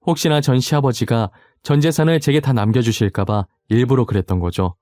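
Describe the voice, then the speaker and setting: A man reading a first-person story aloud in calm, even scripted narration. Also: mid-range voice, fairly quick, dry recording, clean studio sound, soft background music.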